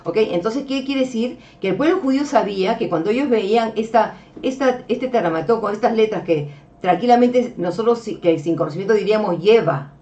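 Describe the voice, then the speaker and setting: Speaking a little fast in a warm, fairly high voice, a female religious teacher walks her audience through slides, calling them beloved brethren. She explains patiently, asks "ok?" often, and fills gaps with "este," all captured on a distant, dull-sounding mic.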